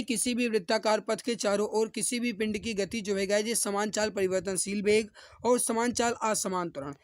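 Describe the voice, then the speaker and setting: A man with a high-pitched voice teaches an exam class in a dry, close recording. He works through questions step by step and speaks directly to his students as he gives each answer. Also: no echo. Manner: instructional, often addressing listeners directly.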